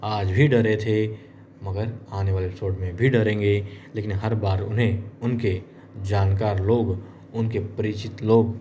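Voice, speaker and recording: A man tells the story of a TV episode in a casual, chatty way, turning to his viewers as friends and acting out what the characters say. His voice is warm and somewhat low, with a faint noise in the background. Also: steady tone, measured pace. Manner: chatty, addresses viewers as friends, acts out quotes. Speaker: TV serial episode recapper.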